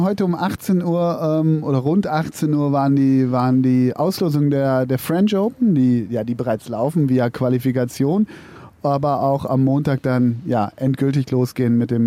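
A man's voice: medium pitch, normal speed, warm tone, no echo. A man co-hosting a tennis talk show, chatting casually with frequent laughs and fillers. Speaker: tennis podcast co-host. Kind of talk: casual chat.

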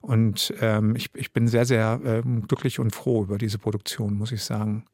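A German man in his fifties, a radio drama director and author, answering interview questions thoughtfully with frequent pauses and restarts. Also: fairly low pitch, level tone, a little mellow, no room sound, studio quality. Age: 50s. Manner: thoughtful, many hesitations and restarts.

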